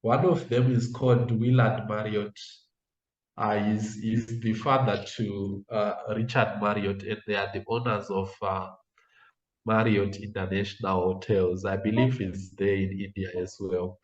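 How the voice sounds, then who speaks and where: A young man from Zimbabwe, a guest in a casual interview, speaking in a measured, earnest way with frequent hesitations. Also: fairly low pitch, little pitch movement, reverberant, dull audio. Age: young adult.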